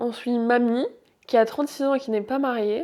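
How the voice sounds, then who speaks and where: The woman's high-pitched voice carries fairly even intonation on a very clean recording with a silent background. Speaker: vlogger. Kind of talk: casual vlog chat.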